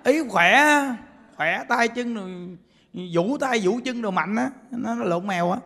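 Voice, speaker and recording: High-voiced man preaching in a reverberant hall. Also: unhurried. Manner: animated, laughing storyteller. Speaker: Buddhist preacher. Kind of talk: sermon.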